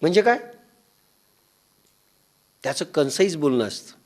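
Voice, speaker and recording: Very animated yet measured in pace, a man with a Marathi accent gives a devotional discourse. He narrates stories as a spiritual speaker, voicing characters' lines in low mutters.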